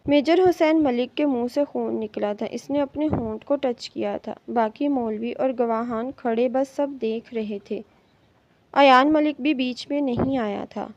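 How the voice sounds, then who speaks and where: Woman reading a romance novel aloud, high voice, steady, dull lo-fi recording. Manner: steady storytelling. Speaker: novel reader. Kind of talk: Urdu romance novel audiobook narration.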